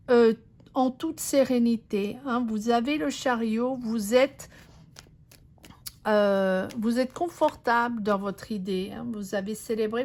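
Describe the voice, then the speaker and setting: A woman's voice: a little high, a little mellow. A woman giving an intuitive tarot reading, speaking to the viewer in a hesitant, reassuring way, with many fillers and restarts. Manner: reassuring, addresses the viewer directly. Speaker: tarot reader.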